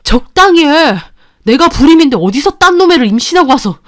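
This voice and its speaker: A bitter, suspicious young husband, voiced by a woman hurls accusations at his wife in a radio-style story. The voice sits fairly high and stays sneering and hostile throughout. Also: very animated, moderate pace. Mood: angry. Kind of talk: Korean radio-story dialogue.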